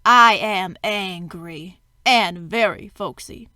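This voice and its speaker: A woman's voice: mid-range voice, slow, pushed and bright, no room sound, clean studio sound. A woman playing a folksy, bumbling, blustering governor in a satirical reader's theater piece, declaiming with mock assertiveness. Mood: mock assertive.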